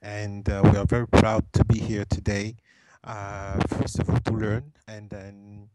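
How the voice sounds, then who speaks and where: A middle-aged man from Canada, an engineer, introducing himself in a measured way with many hesitations. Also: on the low side, little pitch movement, very noisy.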